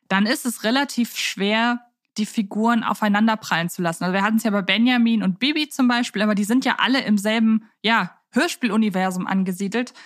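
A woman's voice: on the high side, a bit bright, dry recording, clean studio sound. A woman co-hosting a podcast in a casual, reflective conversational way. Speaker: podcast co-host. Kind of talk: casual podcast conversation about audio dramas.

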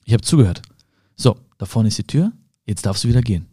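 A man with a warm, mellow voice talks the listener through a quiet self-help monologue. He speaks calmly to them as a friend, circling back to rephrase each point. The sound is close and dry, with no room around it. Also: on the low side, fast talker, breathy edge, dry recording. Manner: calm, addresses the listener directly, rephrases often. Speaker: podcast host.

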